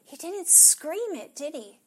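A woman preaching a sermon in an earnest way, sometimes dropping to a soft hush for emphasis. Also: very high-pitched, big pitch swings, slow.

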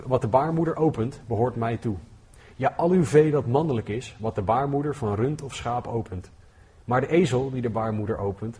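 A man delivers a sermon in an earnest, conversational way, his voice a little husky. His pitch sits in the middle, and he reads scripture aloud with growing force. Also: dark tone. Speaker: preacher.

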